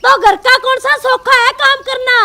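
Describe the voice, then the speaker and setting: A woman's voice: very high-pitched, little pitch movement, measured pace, pushed and bright, exaggerated voice. A woman playing a bossy mother-in-law who taunts and threatens in a comedy telefilm. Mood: scolding. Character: bossy scolding middle-aged mother-in-law.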